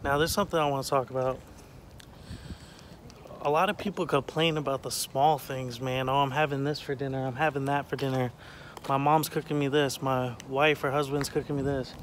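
A man's voice: mid-range voice, steady tone, brisk. A young man talks earnestly to his phone camera while walking around an abandoned motel outdoors. He sounds casual but preachy when making a point, with a faint background hiss. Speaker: vlogger exploring abandoned buildings. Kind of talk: casual vlog chat. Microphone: phone camera held at arm's length.

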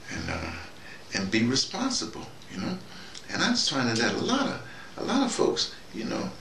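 An older American man, a vlogger and audio dramatist, gives a rambling, folksy, preachy monologue, repeating phrases for emphasis. His voice is medium-pitched and a bit bright. The recording sounds roomy and distant, with faint background noise.

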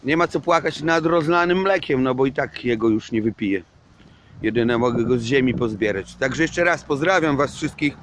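A man's voice: medium pitch, moderate pace, background noise. A man rambling in a casual vlog monologue while walking outdoors at night. He hedges a lot and swears casually. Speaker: vlogger. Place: outdoors at night under a street lamp.

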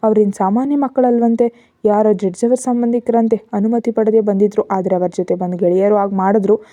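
Woman reading as a humble young man, soft and respectful, very mellow dark voice, dry sound. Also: medium pitch, fairly even intonation, fairly quick, no echo, close to an everyday voice. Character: earnest, devoted young man, gentle and humble.

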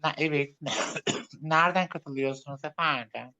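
A woman hosting a casual live chat, speaking in halting, broken, simplified phrases like a foreigner. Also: low-pitched, sharp tone, low-quality recording. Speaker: live-stream host.

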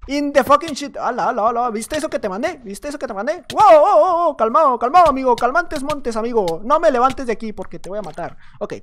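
High-voiced guy commentating games, playful, rambling. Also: lively intonation, fast talker, few pauses, fairly bright tone, a little hiss or hum. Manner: rambling, joking, playful self-talk with exclamations. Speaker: gaming YouTuber. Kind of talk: gameplay commentary.

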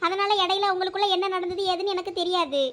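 A chatty, fretful young village wife, played by a woman in a family comedy skit. Her voice sits very high and the words tumble out fast and animated. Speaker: skit actor playing a young wife and her sister-in-law.

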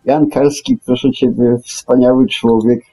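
A man co-hosting a radio talk show, commenting conversationally in a sardonic, deliberate manner. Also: mid-range voice, steady tone, warm tone, soft background music, poor audio.

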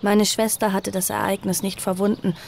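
A woman playing a young narrator who recalls a horror in measured first-person storytelling for an audio drama. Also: medium pitch, little pitch movement, creaky, darkish tone, slight background noise, lightly acted. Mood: grave. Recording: music behind the narration.

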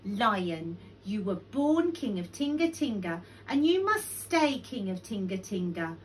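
A woman's voice: mid-range voice, sing-song, measured pace, distant mic, a little hiss or hum, low-quality recording. A woman voicing a tiny, plucky flea in an animal storybook, earnest, urgent and encouraging.

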